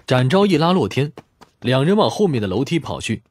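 A man's voice: mid-range voice, very animated, a little fast, a little mellow, a little hiss or hum. A man reading a crime novel as a scripted, dramatic audiobook narration.

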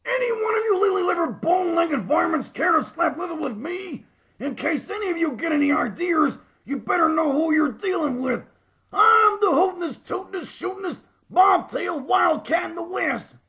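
A man voicing a short-tempered little cartoon cowboy outlaw with a gravelly voice, an American Western accent and a bellowing, blustering manner. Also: extremely high pitch, animated, moderate pace, bright, forceful tone, raised voice, full character voice, poor audio. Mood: boastful, threatening.

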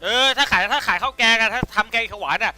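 A man streaming a mobile game live, joking and bantering rapidly with teammates over voice chat, repeating himself and swearing playfully. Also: high-pitched, expressive. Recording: gameplay music behind.

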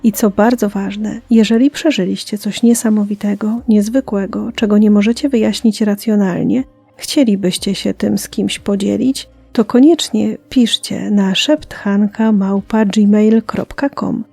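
A woman podcast host narrating in a soft, whispered storytelling style, her voice mellow, dark and breathy. A gravelly fry runs through the hushed delivery, and faint music plays underneath. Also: mid-range voice, fairly even intonation, measured pace, no room sound.

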